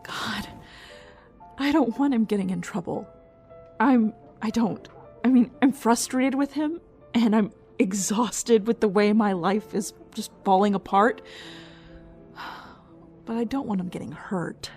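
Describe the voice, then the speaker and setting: Troubled loyal woman, audio drama: emotional, imploring, higher register, light music bed. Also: unhurried, pauses often, a little mellow. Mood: troubled, weary. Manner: pleading, emotional.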